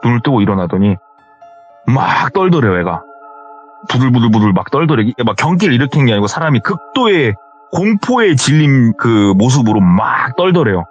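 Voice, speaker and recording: A man hosts a horror story show and tells it with a very lively voice that rises and falls a lot. He acts out the people in the story with raised voices. The sound is dull and lo-fi, with faint music under it. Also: medium pitch, a little fast, husky. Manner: animated retelling, acting out quoted people in raised voices. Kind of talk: retelling a true horror story.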